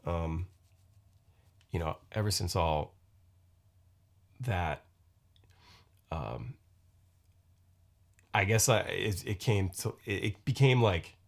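A man in his forties with a very low, deep voice talks into a podcast microphone. He wanders from thought to thought, restarting sentences and filling pauses with ums and you-knows, in a loose, casual solo chat. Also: gravelly. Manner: rambling, halting, many restarts and fillers. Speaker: podcast host and musician.

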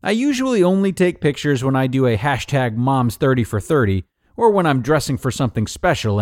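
A man narrates a written advice piece in a medium-pitched voice. His delivery is upbeat and neatly phrased, with plenty of melodic movement. The sound is dry, with very little room in it. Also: darkish tone, no room sound. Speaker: narrator reading blog articles aloud. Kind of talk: scripted narration of a personal advice article.

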